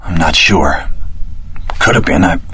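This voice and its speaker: Video game swordsman hero: low husky register, resolute and earnest, dryly exasperated, dramatic line readings. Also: unhurried, sharp tone, full character voice. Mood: puzzled. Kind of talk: dramatic action-game character dialogue.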